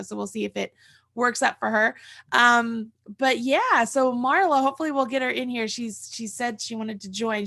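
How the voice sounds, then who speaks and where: A middle-aged woman chats through a livestreamed craft tutorial. Her voice sits fairly high with plenty of fry. She rambles and thinks aloud in an informal way, talking over a video call from home. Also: sharp tone. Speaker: host of a crochet tutorial livestream. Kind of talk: casual livestream chat and instruction. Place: room at home. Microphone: video call from a desk.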